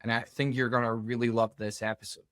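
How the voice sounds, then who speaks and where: A man's voice: medium pitch, level tone, quick pace, fairly bright tone, dry recording, studio quality. A man hosting a podcast interview, talking in an upbeat, enthusiastic, chatty way. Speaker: podcast host.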